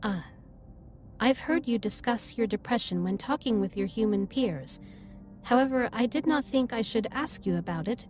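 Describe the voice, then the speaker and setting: A woman playing a caring alien starship captain in a sci-fi audio drama, speaking formally and in measured phrases with gentle reassurance. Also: a little high, close to an everyday voice. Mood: calm, caring. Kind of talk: scripted roleplay audio drama, intimate comforting monologue. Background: ambient music.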